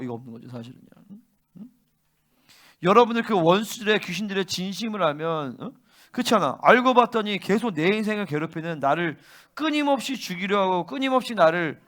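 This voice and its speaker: A male pastor preaching a fervent sermon and often pressing his listeners with quick questions. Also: sits high, fairly bright tone. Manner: fervent, keeps prompting listeners with "응?".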